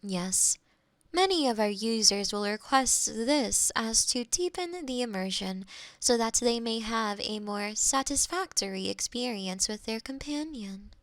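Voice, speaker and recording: A woman's voice: fairly high pitch, animated, measured pace, a bit bright, no echo. A woman playing a polite AI girlfriend eager to please, speaking in stilted, precise phrases in an intimate close-miked roleplay. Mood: calm, clinical. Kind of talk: scripted intimate roleplay audio. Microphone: close binaural microphone.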